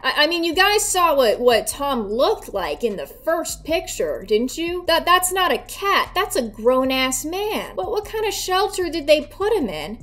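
A woman in her twenties giving casual, profane commentary with a sardonic, mock-dramatic delivery, recorded indoors in a bedroom. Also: high-pitched. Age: 20s. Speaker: reaction video host.

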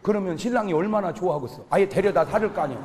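A man preaching a humorous revival sermon, telling stories with animated delivery and acting out the voices of the people in them. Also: high voice, racing, slight background noise. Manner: shouting punchlines to the congregation. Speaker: pastor. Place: church hall with congregation. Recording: long hall reverb.

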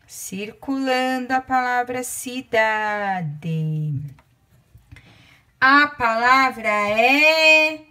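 A woman teacher from Brazil with a Brazilian Portuguese accent, dictating a word lesson to small children. Her voice sits high and sounds bright, and she speaks very slowly, counting out loud and drawing each word out. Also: animated.

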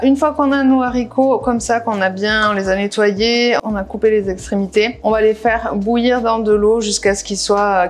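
Chatty woman guiding a home recipe. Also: medium pitch. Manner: step-by-step, practical, chatty asides. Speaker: cooking vlogger. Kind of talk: casual cooking voice-over. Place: home kitchen.

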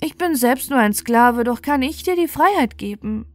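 A woman voicing a gentle enslaved child in a fairy tale, earnest and plaintive. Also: on the high side, expressive, normal speed, pitched above the performer's own voice, lightly acted.

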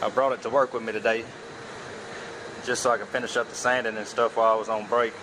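A man's voice: on the low side, little pitch movement, quick pace. A man, casually narrating his own woodworking project in a plainspoken, self-deprecating, rambling way. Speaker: hobby welder and woodworker. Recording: noisy outdoor recording with air conditioning and traffic hum.

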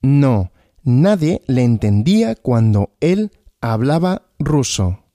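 Male language-podcast host, slow question-and-answer teaching, animated pitch, dry studio sound. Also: dry recording. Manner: asks questions and answers them himself, repeating.

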